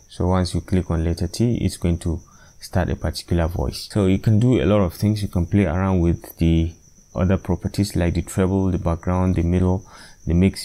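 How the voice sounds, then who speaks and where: A man narrating an unscripted software tutorial step by step, with hesitant, repetitive explanations. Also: low-pitched, vocal fry. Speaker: tutorial presenter.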